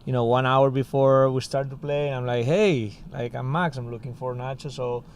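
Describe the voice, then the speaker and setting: A man's voice: mid-range voice, fairly even intonation, normal speed, slight background noise. A man from Spain with a Spanish accent, a music school co-founder chatting casually on a podcast and telling a story with lots of fillers. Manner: storytelling, many fillers like "you know" and "like".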